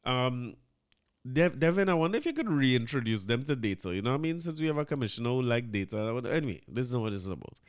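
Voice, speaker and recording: A man's voice: mid-range voice, quick pace, clean tone, dry recording, clean studio sound. A man with a Trinidadian accent hosting a podcast, commenting casually and often repeating his words as he talks. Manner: chatty, animated, repeats words, mixes in Trinidadian Creole. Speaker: podcast host.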